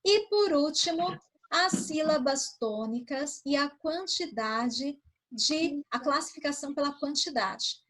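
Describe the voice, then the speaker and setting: A woman teaching a primary class over a video call, her voice sitting high. She explains slowly and patiently and keeps turning to her pupils with questions. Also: expressive, fairly bright tone. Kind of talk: online class review with pupils.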